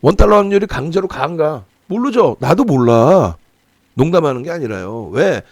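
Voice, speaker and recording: A middle-aged man hosting a stock market channel, lecturing on currency and stocks with rhetorical questions and a scolding, lively manner. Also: on the high side, normal speed, no echo.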